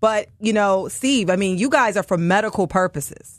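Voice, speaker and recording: A woman with an unremarkable speaking voice talks at a moderate pace and medium pitch against a quiet background. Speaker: radio host and community affairs reporter. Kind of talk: interview. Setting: studio.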